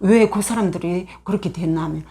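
A woman's voice: fairly low pitch, brisk, warm tone. A middle-aged woman from North Korea speaks with a North Korean accent, recounting memories in casual conversation. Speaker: guest, mother recounting her former life.

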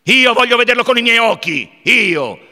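A male actor doing a brooding young intellectual who argues fervently, his bright, ringing voice leaping up and down in pitch as he declaims. The theatrical literary reading sounds out through a long, echoing hall reverb. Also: expressive, moderate pace, exaggerated voice. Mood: impassioned. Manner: declamatory, fervent, swings from hushed to shouted. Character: impassioned brooding young man arguing with his brother. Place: theatre stage before an audience.

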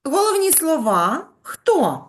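Woman teacher leading an online lesson for small children, lively rising and falling voice, gentle praise. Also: sits high, slow. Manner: patient, coaxing, praises with pet names. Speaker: primary school teacher.

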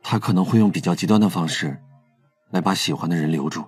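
A candid young brother and police investigator in an audio drama. His voice is husky and on the low side, earnest and a little hesitant, with music underneath. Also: fast, a little mellow. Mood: earnest, subdued. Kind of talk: Chinese audio drama acting.

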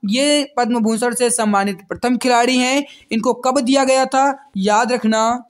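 A man teaching a quiz-based exam-prep lesson, speaking directly to students in a repetitive, emphatic coaching manner. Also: very high-pitched.

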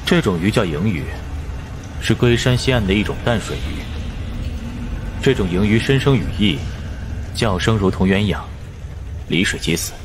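A man's voice: lowish voice, lively intonation, normal speed, long pauses, background noise, natural voice. A man voicing a mysterious, aloof white-haired man, cool and matter-of-fact, in an audiobook. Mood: cool, ominous. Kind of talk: audiobook character dialogue.

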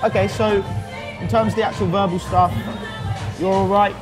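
A man's voice: high-pitched, steady tone, normal speed, crowd noise. A young man coaching someone one-to-one in conversation, with an instructive, emphatic manner. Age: young adult. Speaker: dating coach. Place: busy indoor café or bar. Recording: loud music in busy venue. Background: loud music.

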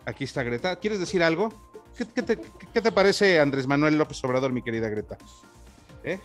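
A man with a Mexican accent co-hosting a casual talk show, rambling through gossip in slang with lots of filler pauses. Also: a little high, animated, soft background music. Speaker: co-host. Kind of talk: casual political gossip chat.

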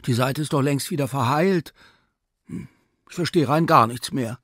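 A man's voice: mid-range voice, moderate pace, a bit bright, no room sound, studio quality, voice pushed up, close to an everyday voice. A man voicing a vain, scruffy male stray dog who muses to himself in a self-satisfied way. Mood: puzzled.

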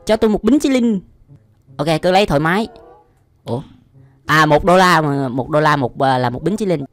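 A man's voice: fairly high pitch, expressive, normal speed, a bit bright, no room sound. A young man giving casual, exclamation-filled reaction commentary as a YouTube host, often amused by what he watches. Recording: music behind the voice. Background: music.

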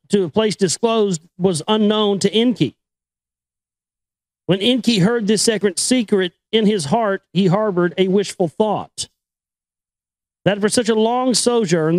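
High-pitched man reading aloud, dry sound. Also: darkish tone, no room sound, poor audio. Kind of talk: dramatic book reading with brief informal asides.

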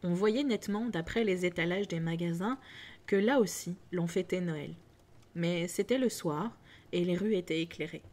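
A woman narrating a classic storybook in a calm, measured reading voice. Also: fairly low pitch. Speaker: audiobook reader.

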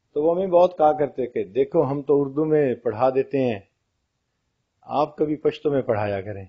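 A man's voice: mid-range voice, slightly rough. A man giving a religious lecture, telling funny anecdotes and asking his audience questions. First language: Pashto-region colleagues mentioned, not him. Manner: storytelling, asks the audience questions. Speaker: Islamic lecturer. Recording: dull lo-fi audio.

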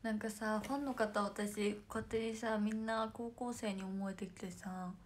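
A woman's voice: mid-range voice, fairly even intonation, a little slow. A young woman idol chatting casually on a livestream, reading comments and laughing often. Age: young adult. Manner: giggly, playful, imitates friends' sneezes. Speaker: idol streamer.

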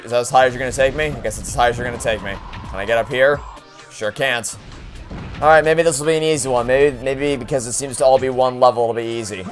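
A young man hosting a let's play delivers sarcastic, exasperated commentary over a video game, swearing and complaining often. His voice is medium-pitched with a fairly bright tone.

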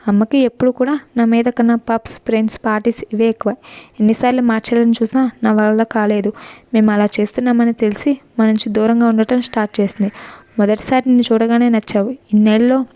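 A lovesick young man in a spoken story, pleading and insistent, as a woman narrator gives him voice in her own higher, mellow tone. The recording is close and dry. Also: flat delivery, fast talker, dry recording, close to an everyday voice. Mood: sorrowful.

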